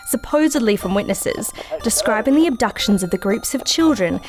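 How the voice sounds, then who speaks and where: A woman's voice: medium pitch, natural voice. A woman playing a curious, wry podcast host in a conversational, naturalistic audio drama style.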